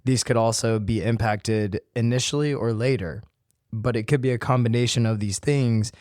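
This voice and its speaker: A man hosting his own podcast and talking casually to listeners, his voice a little hoarse from illness. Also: medium pitch, fairly even intonation, normal speed, darkish tone, no echo, clean studio sound. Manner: conversational, addresses listeners directly. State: voice worn from illness, slightly hoarse. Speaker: podcast host and physical therapist. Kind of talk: solo podcast talk.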